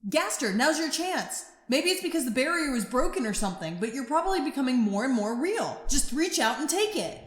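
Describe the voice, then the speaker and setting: A woman's voice: sits high, very animated, a little fast, few pauses. A woman voicing an eager, nosy fan, reading messages for a comic dub in an echoey room. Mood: encouraging.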